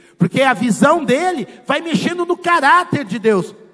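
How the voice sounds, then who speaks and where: Amid noticeable background noise, a man speaks at an extremely high pitch with very wide pitch swings. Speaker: pastor. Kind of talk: sermon. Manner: sometimes shouts, loud; animated.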